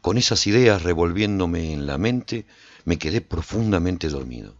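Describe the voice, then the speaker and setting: A proud, solitary warrior recounting his adventures as a radio serial. His delivery is theatrical and very lively in pitch, rising and falling with the tale. The sound is dry and close, with a slightly muffled top end. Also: moderate pace, no echo. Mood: reflective. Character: lone warrior man recounting his post-apocalyptic adventures, proud and vivid. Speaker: narrator and lead actor of a radio serial. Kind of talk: dramatic first-person radio storytelling.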